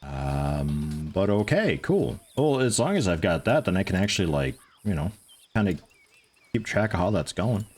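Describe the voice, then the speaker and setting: A man streams a video game and chats with viewers in a low, soothing voice that still swings lively in pitch. He rambles casually between gameplay and chat. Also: moderate pace. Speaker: gaming livestreamer. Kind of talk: casual livestream commentary.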